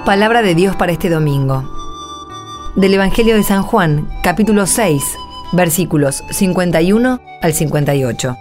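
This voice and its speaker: Female radio presenter, Argentine, lowish voice, measured scripted reading for religious programme, light music bed. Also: expressive.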